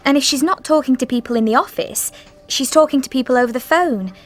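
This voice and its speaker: For an English course, a woman acts out a scripted office role-play, sounding fretful and complaining. She has a high voice and talks fast, with soft background music.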